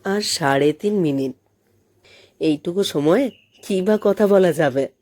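Mellow woman narrating a story. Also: fairly low pitch, slow. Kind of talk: expressive scripted story narration.

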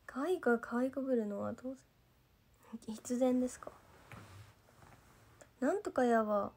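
With a voice on the high side, a little mellow and at a moderate pace, a young idol trainee from Gifu, Japan, chats with fans on a livestream. She reads their comments in mostly standard Japanese with a light Gifu dialect, rambling, losing her thread, and filling pauses with "nanka."

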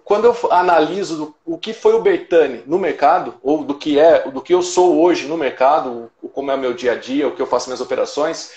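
A man's voice: on the high side, darkish tone, reverberant. A man in his forties telling his life story in a personal, reflective way, with many restarts. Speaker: guest trader. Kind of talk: casual storytelling.

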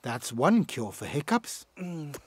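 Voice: medium pitch, very animated, takes it slowly, darkish tone, breathy edge. A narrator telling a children's cartoon story, expressively reacting aloud to the action with exclamations. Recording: music behind the narration. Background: music.

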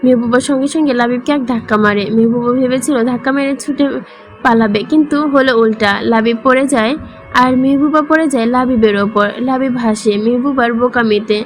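A woman with a high voice narrates a romance novel in a steady, even storytelling manner. Soft music plays faintly behind her reading. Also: fairly quick. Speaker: audiobook narrator.

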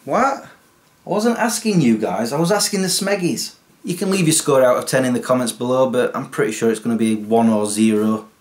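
An animated man, chatting to camera from a small home office. He pokes fun at himself as he talks. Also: medium pitch, a little fast. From England. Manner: self-mocking, animated, waves hands while talking. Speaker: YouTuber. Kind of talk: casual vlog chat to camera.

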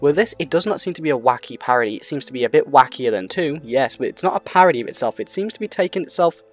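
A man's voice: medium pitch, expressive, fast talker. Rambling man commenting over music. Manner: rambling, hesitant, repeats himself. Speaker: gaming video commentator. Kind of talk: unscripted casual commentary on a video game.

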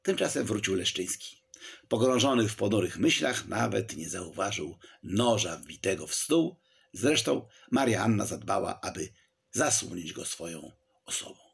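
Male narrator, gravelly, animated pitch, historical novel reading. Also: moderate pace. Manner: lively storytelling reading. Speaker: audiobook narrator.

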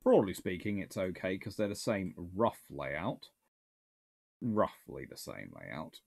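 His low voice is creaky, darkish and slightly rough, with a slow, sing-song lilt. A naval historian, he answers viewers in a laid-back live Q&A from a small book-lined study, rambling and catching his own mistakes.

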